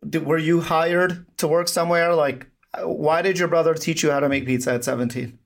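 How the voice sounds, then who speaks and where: A man's voice: fairly high pitch, fairly even intonation, fairly quick, creaky. A man hosting a conversational podcast interview, often repeating words as he phrases his questions.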